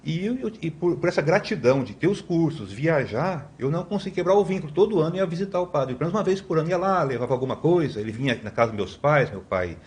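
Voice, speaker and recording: A man's voice: a little high, animated, fast talker, hardly any pauses, a little mellow. A man in his fifties from Brazil, a podcast guest telling long stories in a rambling way, with many tag questions and restarts. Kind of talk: conversational storytelling.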